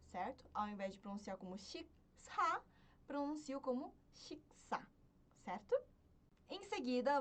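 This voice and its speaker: A woman teaching an online language lesson, her fairly high voice rising and falling a great deal. She walks through each point patiently and keeps pausing to check that her students follow. She slows down to sound out example words. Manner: explains step by step, often checking in with the class.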